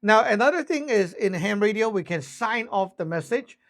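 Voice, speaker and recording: Expressive and moderately paced, this high-voiced male instructor covers radio communication basics in a relaxed spoken lesson. He acts out example exchanges, explains each step carefully, and checks in often with short tag questions.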